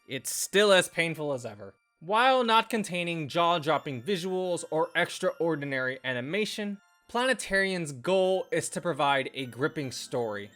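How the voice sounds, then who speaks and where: A man's voice: on the high side, a bit bright. A man reading a scripted anime video review as a reviewer, with music playing behind him. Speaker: anime and visual novel reviewer. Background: background music.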